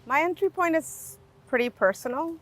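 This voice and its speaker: A woman from Guatemala, whose first language is indigenous, telling her story reflectively with many pauses and fillers. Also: high-pitched, expressive. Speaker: language justice cooperative founder. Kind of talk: personal storytelling in conversation.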